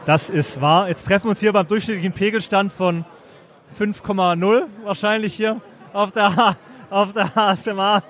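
A man from the Stuttgart area hosts a casual podcast chat at a trade fair lounge. His voice sits fairly high for a man, and he jokes along, pausing on plenty of fillers. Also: steady tone, fairly bright tone. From Germany, Stuttgart area. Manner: chatty, joking, hesitant fillers. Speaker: podcast host.

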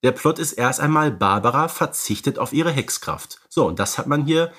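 A man's voice: medium pitch, animated, moderate pace, fairly bright tone. A man co-hosting a podcast, casually analysing films and recapping their stories. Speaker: podcast co-host.

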